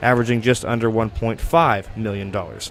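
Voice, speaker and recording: A man speaks at a fairly quick pace with an American accent and a medium pitch. Music plays in the background. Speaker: college student news anchor and reporter. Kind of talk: TV news anchor reel.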